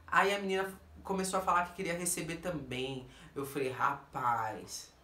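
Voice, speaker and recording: A woman with a Brazilian Portuguese accent who speaks in a low, bright, forceful voice. She tells her story bluntly and keeps turning to her viewers. The recording is roomy, with the mic set some distance away. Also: a little fast. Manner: emphatic, blunt, keeps addressing the audience. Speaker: vlogger.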